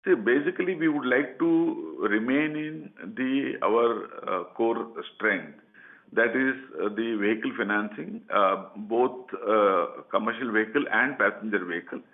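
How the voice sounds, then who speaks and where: Halting Indian executive on a muffled line. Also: male voice, mid-range voice. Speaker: company executive. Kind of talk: answering questions on an earnings conference call. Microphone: telephone conference line. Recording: muffled conference phone line.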